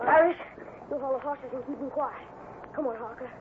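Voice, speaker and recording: A high pitched american cowboy kid, impatient and excitable, old crackly radio western, tinny sound. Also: male voice, fairly quick. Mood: urgent, commanding. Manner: excitable, urgent, exclamatory. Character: eager, impatient boy cowboy hero. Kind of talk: old-time radio adventure acting. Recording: noisy, narrow-band old radio recording.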